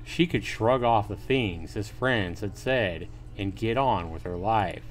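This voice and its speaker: A man's voice: on the low side, takes it slowly. A man hosting a livestream, reading a visual novel aloud as a narrator with casual asides. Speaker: livestream host. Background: faint music.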